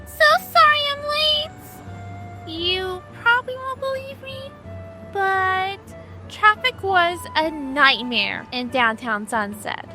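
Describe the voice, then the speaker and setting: A woman voicing a friendly, teasing young female cartoon animal with playful, expressive banter in an audio drama. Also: very high voice, slow pace, loud music behind the voice, exaggerated voice. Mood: cheerful.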